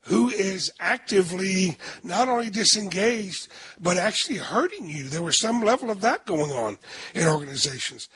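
A hoarse older man hosts a radio talk show. He talks in a chatty, rambling way and often restarts his sentences, and his voice sits a little high for a man. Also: fairly bright tone.

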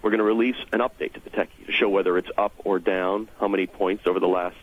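A man's voice: low voice, fairly even intonation, fast, husky. A man explaining policy points as a guest in a radio interview, over a thin phone line. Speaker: interview guest, technology trade association representative.

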